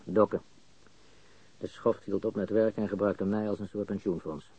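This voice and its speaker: Jittery, cornered petty crook. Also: male voice, on the low side, steady tone, moderate pace, darkish tone, breathy edge, no room sound. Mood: bitter, resigned. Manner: stammering, nervous laughing, slangy and bitter. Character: jittery petty crook confessing to police under interrogation. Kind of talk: Dutch radio crime drama acting. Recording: dull lo-fi studio radio recording.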